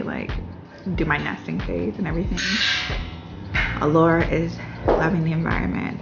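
A woman's voice: on the low side, vocal fry, muffled recording. A young pregnant woman vlogging in a casual, upbeat way, full of "like" and "um". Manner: chatty, upbeat, lots of "like" and "um". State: heavily pregnant. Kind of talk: casual vlog chat.

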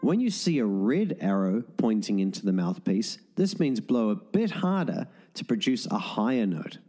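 Man calmly reading tin whistle lessons. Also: fairly low pitch, faint music behind. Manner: slow, methodical, repetitive step-by-step instructions. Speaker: music teacher. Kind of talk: scripted instructional voice-over.

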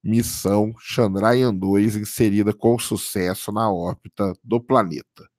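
Hoarse man hosting a livestream. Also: fairly low pitch, fairly even intonation, measured pace, a little mellow, dry recording, studio quality. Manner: casual, keeps adding "tá?" for confirmation. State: hoarse from a cold. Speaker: livestream host. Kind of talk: live commentary reading viewer chat.

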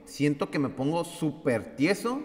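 A man's voice: on the high side, a little slow, big-room sound. Rambling Mexican man telling a story. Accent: Mexican Spanish. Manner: rambling, filler-heavy, animated retelling. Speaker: podcast host. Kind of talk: casual storytelling.

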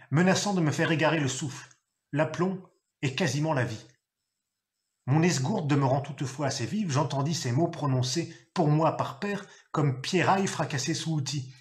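Man reading a novel aloud, expressive. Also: a little high. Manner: expressive storytelling, acting out the father's gruff shouted lines. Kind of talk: literary reading.

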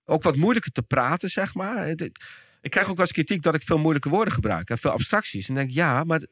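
A man with a Dutch accent, a podcast guest explaining his ideas with frequent restarts and searching pauses. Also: fairly high pitch, expressive, fairly bright tone, no room sound, clean studio sound. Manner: thoughtful, searching for words with many restarts. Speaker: podcast guest, behavioral scientist and speaker. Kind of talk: casual podcast conversation.

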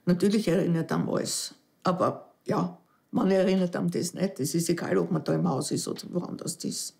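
A widow in her fifties, a dating show candidate, gives an emotional interview in her living room. She speaks hesitantly and reflectively, sometimes softening to near whispers. Her voice is lowish with vocal fry, and her pace is a little fast.

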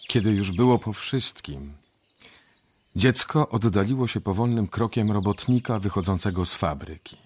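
A man narrating a radio story in measured, scripted literary prose. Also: deep voice, creaky, breathy edge. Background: music.

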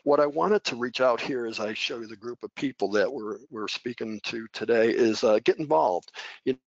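A middle-aged man leads a training webinar in a relaxed, folksy way. He often restarts his sentences and fills the pauses with "uh" and "um." His mid-range voice comes through dull, dry online-meeting audio. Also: medium pitch, creaky, dry recording. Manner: folksy, conversational, frequent fillers and restarts. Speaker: training manager giving a webinar. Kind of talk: unscripted presentation over slides.

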